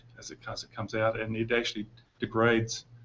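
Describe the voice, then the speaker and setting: At a very fast pace, a man talks with an Australian accent. His pitch sits in the medium range. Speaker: stormwater engineering consultant. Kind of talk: technical presentation to council. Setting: town council meeting.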